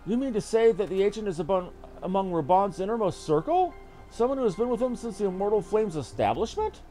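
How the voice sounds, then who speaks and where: Man playing a composed, high-voiced commander. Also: very animated, brisk, warm tone. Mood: probing. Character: composed, shrewd commander questioning a subordinate. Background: game music.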